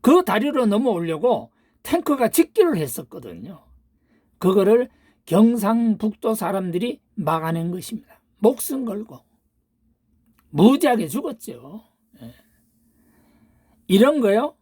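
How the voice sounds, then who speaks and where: Older woman host, political rant, husky and animated, throws out rhetorical questions and insults. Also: medium pitch, a little slow, long pauses, no room sound, studio quality. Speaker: channel host. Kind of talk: political monologue.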